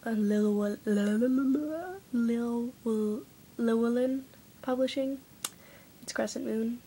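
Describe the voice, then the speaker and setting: A young woman with a mellow voice on the high side vlogs casually at home in a dim, candlelit room. She rambles chattily with lots of "like" fillers, often slipping into a half-whisper, and the rough recording has slight background noise.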